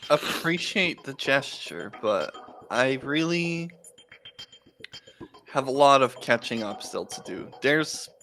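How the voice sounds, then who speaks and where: A man's voice: mid-range voice, very animated, slow pace, sharp tone, slight background noise. A man playing a tabletop game, modest and hedging as he talks. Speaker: player. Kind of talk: in-character tabletop role-play.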